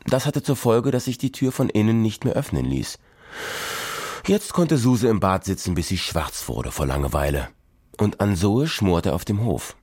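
Man reading a kids story, lively ups and downs, lowish voice, super dry sound. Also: moderate pace, husky, dry recording. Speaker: narrator.

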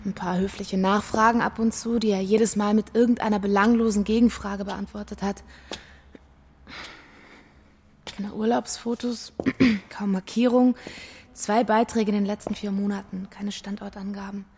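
A woman playing a pensive, uneasy babysitter who talks and narrates in a low-key, hesitant, natural way in a radio drama. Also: fairly even intonation, normal speed, a little mellow, breathy edge. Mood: sober, reflective. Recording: music under the voice. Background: music.

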